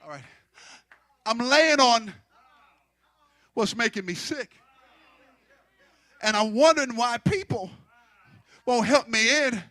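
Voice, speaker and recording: A man's voice: very high-pitched, expressive, slow pace, long pauses, sharp tone, no room sound. A man preaching a sermon at a pulpit microphone, building through repeated phrases and addressing the congregation directly. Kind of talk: impassioned sermon.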